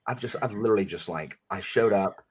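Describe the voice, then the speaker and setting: A man's voice: lowish voice, fast, crowd noise. A man chatting casually as a guest on a live stream, rambling and self-deprecating with lots of restarts.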